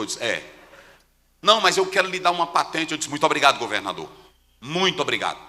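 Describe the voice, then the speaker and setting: Male Brazilian pastor, bright forceful voice, lively pitch, dramatic sermon storytelling, hall reverb. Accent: Brazilian Portuguese. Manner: dramatic storytelling, swings from hushed to shouting. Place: church.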